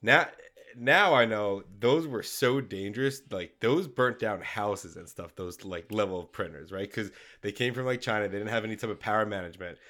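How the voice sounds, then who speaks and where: A man's voice: lowish voice, moderate pace, bright, forceful tone. A man co-hosting a maker podcast, congested, chatting casually in a rambling way with many fillers and restarts. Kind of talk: casual chat.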